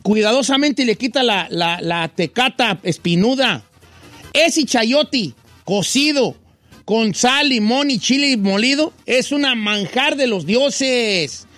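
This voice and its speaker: A man's voice: very high-pitched, animated, slow, a bit bright, no room sound, faint music behind. A man with a Mexican accent chatting casually as a show host, with a playful, emphatic, slangy way of talking. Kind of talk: casual chat, reading listener messages.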